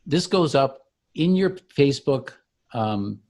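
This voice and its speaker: Man walking through a software demo. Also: medium pitch, expressive, slow. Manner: explanatory, salesman-like, talking through each click. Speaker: company founder demonstrating his product. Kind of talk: informal software demo walkthrough.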